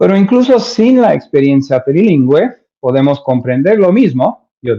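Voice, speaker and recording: A man's fairly high voice, dark and mellow in tone, with an English accent and a fairly slow pace. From Mexico. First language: English (speaking Spanish). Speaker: theologian speaker. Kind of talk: lecture.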